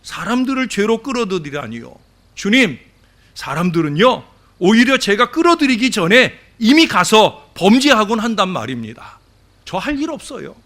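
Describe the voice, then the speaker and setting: A man's voice: a little high, big pitch swings, unhurried, a bit bright, heavily acted. A man voicing a sulky, bored male devil who whines and then mutters insolently. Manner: whining complaints, then arrogant muttering.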